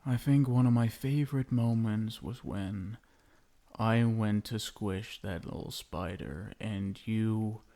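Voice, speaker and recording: Vampire husband, male actor, ASMR roleplay: obsessive and doting with menace underneath, dark mellow tone, gravelly fry, hushed intimate delivery. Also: fairly low pitch. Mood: fond, amused. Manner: hushed, crooning, lingering pauses, tender pet names. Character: possessive, lovestruck yandere vampire husband, menacing yet doting.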